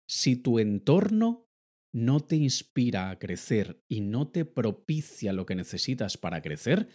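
A man talking straight to camera in a personal motivational monologue, emphatic and animated, swinging between loud outbursts and quiet asides. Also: medium pitch, breathy edge. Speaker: motivational speaker.

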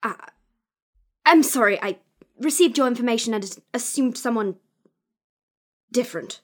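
A woman's voice: on the high side, animated, moderate pace. An actress playing a prim, haughty woman in an audio drama, formal and disdainful. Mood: cold, disdainful.

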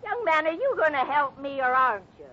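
A woman's voice: sing-song, fairly quick, highs cut off. A woman playing a tiny, scolding, exasperated old lady in a 1950s radio drama. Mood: bossy, scolding. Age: older. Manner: scolding, bossy, old-fashioned exclamations. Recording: noisy, rumbling 1950s radio recording.

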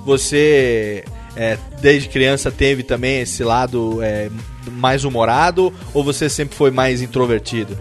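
A man hosting a podcast in casual chat, joking and teasing in an animated way. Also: medium pitch, measured pace, hardly any pauses, faint music behind. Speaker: podcast host.

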